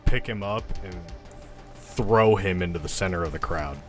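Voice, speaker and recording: A man's voice: deep voice, normal speed, faint music behind. A man talking casually as a player in a tabletop roleplaying game.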